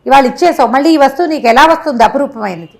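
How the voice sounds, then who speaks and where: A woman's voice: sits high, lively intonation, very fast, vocal fry. A woman voicing a proud, indignant Caliph in disguise from a moral tale, emphatic and full of questions. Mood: amazed, probing.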